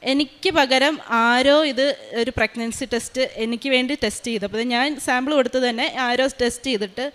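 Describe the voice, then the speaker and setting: A woman, a maternity nurse, giving an earnest personal testimony in a quick flow of speech with many hesitation sounds, recorded in a large church hall. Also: fairly high pitch, steady tone, a bit bright.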